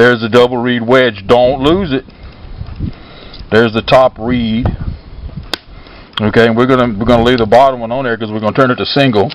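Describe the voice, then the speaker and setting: A man at medium pitch for a man, fairly quick in pace yet with long, frequent pauses, fairly even intonation and noticeable background noise. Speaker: goose call maker demonstrating calls. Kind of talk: tutorial. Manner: casual.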